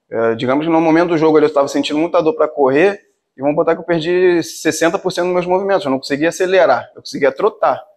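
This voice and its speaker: Against a quiet background, a man with a high voice rattles along at a very fast pace with hardly any pauses, very even loudness and ordinary pitch variation. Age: 30s. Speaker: professional footballer. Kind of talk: press conference. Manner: halting, many repetitions. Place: meeting room. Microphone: podium.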